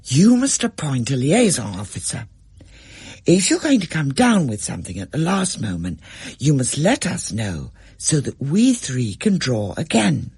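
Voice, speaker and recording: A reader voicing a sensible, bossy schoolgirl who takes charge of her friends, in a husky voice. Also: mid-range voice, huge pitch swings, a little slow, a little mellow, dry recording, exaggerated voice. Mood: instructing.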